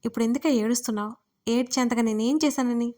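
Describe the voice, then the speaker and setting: A woman's voice: fairly high pitch, steady tone, quick pace, darkish tone, close to an everyday voice. A woman voicing a playful young man who teases his cousin in an audio story. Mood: teasing. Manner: teasing, playful.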